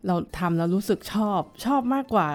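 A woman's voice: lowish voice, fairly quick, a little mellow. A middle-aged woman violin teacher recalling her past in a casual interview, talking thoughtfully with many fillers and restarts.

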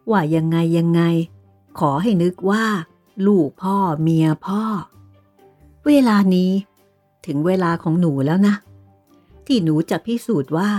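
A woman's voice: on the low side, mellow. A woman reading a stern aristocratic aunt. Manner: authoritative, giving orders and reproaches. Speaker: reader voicing a character. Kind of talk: dramatized novel reading.

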